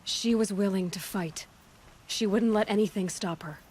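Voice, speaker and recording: A woman's voice: mid-range voice, normal speed, a little mellow, a little hiss or hum, lightly acted. A young woman playing a headstrong, frank tribal huntress in a video game, dry and direct. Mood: gentle, sober. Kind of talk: video game cutscene dialogue.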